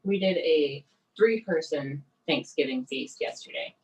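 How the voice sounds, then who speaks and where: Chatty low-voiced woman podcast co-host. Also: measured pace, far from the mic, poor audio. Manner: chatty, uses "like" a lot. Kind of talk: casual podcast chat.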